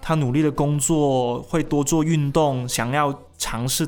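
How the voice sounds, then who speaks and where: In a normal speaking voice, a man talks at a fairly slow pace and fairly high pitch with fairly even intonation. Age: 30s. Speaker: music podcast host. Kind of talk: solo podcast monologue.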